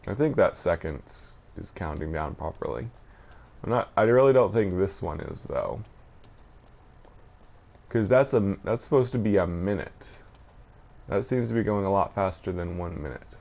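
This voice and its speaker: Low-pitched man casually commenting on a game. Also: lively intonation, moderate pace, creaky, pauses often, darkish tone. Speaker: gaming video host.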